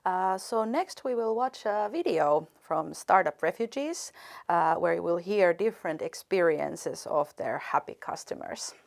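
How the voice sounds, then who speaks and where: Woman interviewer, really low fry-heavy voice, asks simple questions. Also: animated, a little slow. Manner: plain, guiding questions.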